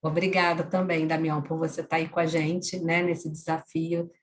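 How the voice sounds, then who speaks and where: A woman hosting a live webinar, speaking in a measured, formal way with frequent fillers. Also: deep voice, little pitch movement, slight background noise. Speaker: event host.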